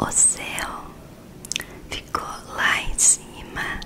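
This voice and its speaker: A woman whispers in a calm tone. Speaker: ASMR creator. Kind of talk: ASMR sleep therapist role play with breathing guidance. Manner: calm, soft-spoken. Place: home room. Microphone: studio mic.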